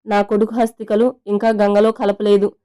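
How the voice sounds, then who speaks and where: A woman voicing an enraged man in his fifties who threatens and shouts accusations over his dead son, in an even, flat tone. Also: medium pitch, moderate pace, lightly acted. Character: furious grieving father, man in his fifties, vengeful.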